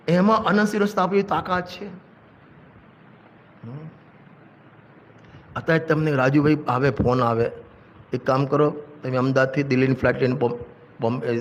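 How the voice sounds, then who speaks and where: A man's voice: mid-range voice, highs cut off. A man with a Gujarati accent giving a religious sermon as a pandit, exhorting his listeners, telling stories with everyday examples and asking them questions. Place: religious hall.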